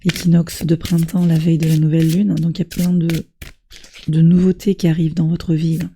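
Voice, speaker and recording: A woman with a hoarse voice from a cold, doing a tarot reading and gently encouraging her viewers. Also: deep voice, flat delivery, fairly quick, a little hiss or hum. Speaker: tarot reader.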